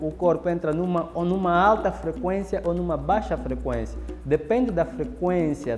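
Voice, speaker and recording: A man's voice: on the high side, a little mellow. A man explaining ritual practice in a documentary interview, lecturing and often adding tag questions. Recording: roomy echo with long reverb.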